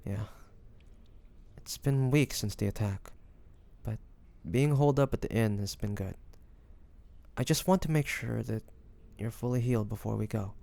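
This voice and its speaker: Guy playing a sweet devoted fantasy boyfriend, lowish creaky voice, soft n hesitant, romance roleplay audio. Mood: gentle, concerned. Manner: soft, hesitant, affectionate, halting phrases. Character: devoted, tender young man, lover of a dragon shifter.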